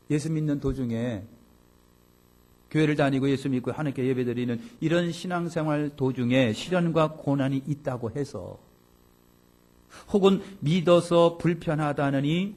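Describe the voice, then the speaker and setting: A male pastor delivers a Sunday sermon in a fairly high voice. He preaches emphatically, rising to loud exclamations and sinking to low asides. He acts out the grumbling voices of the people he describes. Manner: acts out complaining voices of the congregation.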